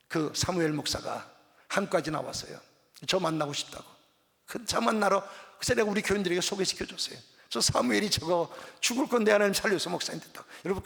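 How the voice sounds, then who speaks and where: A middle-aged man with a high, creaky voice preaches a revival sermon as pastor in a church sanctuary, where the hall echoes. Storytelling drives his delivery, and he acts out each exchange of dialogue.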